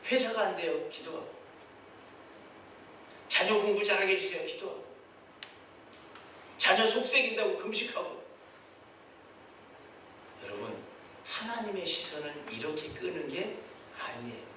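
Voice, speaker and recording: A man's voice: high-pitched, a little slow, long pauses. Pastor guy giving a sermon, swings his voice up and down a lot, acts out little dialogues, faint room hiss. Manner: animated preaching, acting out prayers and God's replies in quoted voices. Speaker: senior pastor. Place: church sanctuary. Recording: distant mic in a very echoey church hall.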